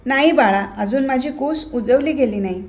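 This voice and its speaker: A woman voicing a tender, tearful childless noblewoman who speaks softly and pleadingly in a novel reading. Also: sits high, moderate pace, close to an everyday voice.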